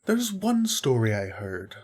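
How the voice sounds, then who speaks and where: A man playing a kindly, fair-minded archangel in an audio drama, explaining things in a measured, wry way. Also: mid-range voice, wildly swooping pitch, darkish tone, husky, heavily acted. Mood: thoughtful.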